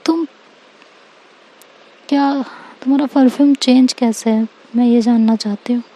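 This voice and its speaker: A woman's voice: a little high, steady tone, mellow. A woman voicing teasing devoted teen girlfriend. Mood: probing. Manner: playful teasing, drawn-out questions ending in "haan". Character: teenage girl Tanya, teasing, devoted girlfriend.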